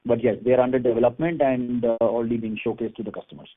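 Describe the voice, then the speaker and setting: A man with an Indian accent answering as a company executive on an earnings call, in halting, measured business talk. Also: mid-range voice, steady tone, husky. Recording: phone-like conference call line.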